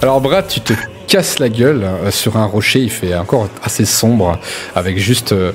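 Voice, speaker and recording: A man's voice: on the low side, animated, normal speed, faint music behind. A man improvising narration as game master of a tabletop role-playing game, in a hesitant, conversational way.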